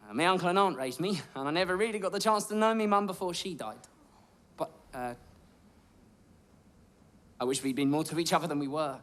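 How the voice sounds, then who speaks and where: A shy, earnest young working-class man with new money. He talks in a halting, sincere way, and his pitch rises and falls in lively swings. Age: young adult.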